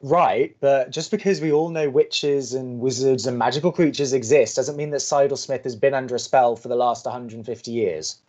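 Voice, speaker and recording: A sardonic young male college radio host, played by a man in a romantic comedy audio drama. He reasons drily in a mid-pitched voice. The recording sounds slightly muffled. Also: fairly even intonation, normal speed, hardly any pauses, darkish tone, close to an everyday voice. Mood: sceptical, teasing.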